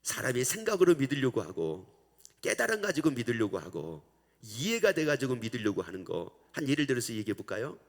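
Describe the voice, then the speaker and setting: Male pastor, sermon, very lively pitch, drops to whispers, long church reverb. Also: fairly quick. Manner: animated storytelling, swinging between loud emphasis and near-whispers.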